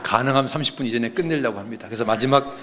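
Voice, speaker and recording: A man's voice: mid-range voice, rapid-fire, background noise. A male pastor preaching a sermon in a church, telling a story that rises to emphatic, impassioned peaks. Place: church sanctuary.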